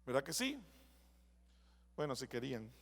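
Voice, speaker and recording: Guy pastor preaching, bright sharp tone, lots of echo from a big church. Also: mid-range voice, sing-song. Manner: reads scripture slowly, then preaches with rising intensity. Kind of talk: sermon. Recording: long church hall reverb.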